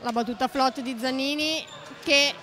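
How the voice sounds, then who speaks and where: A woman's voice: high voice, fairly even intonation, moderate pace, background noise. A woman giving live play-by-play commentary on a volleyball match.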